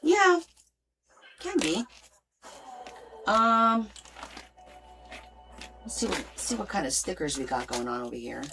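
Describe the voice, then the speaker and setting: Speaking slowly at medium pitch and pausing often, the woman chats over music while she crafts on stream. She's Portuguese-born but New Jersey-raised, with a light Jersey accent, and she reads viewers' comments aloud with lively rises and soft asides.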